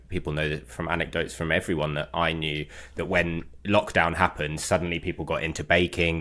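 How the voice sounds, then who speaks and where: Deep-voiced man, rambling panelist. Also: fairly bright tone. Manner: rambling, stumbling over his words. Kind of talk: casual chat.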